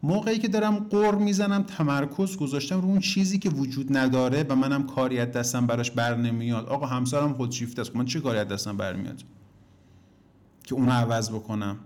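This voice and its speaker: A man of middle pitch coaches the students on his course, talking straight to them as if in class. He leans on his points by swinging his voice up high and dropping it low. He slips in anecdotes and plays out the voices in them. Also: a little mellow. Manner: emphatic, swings pitch up and down for emphasis; addresses listeners directly as "kids". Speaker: relationship coach teaching a course.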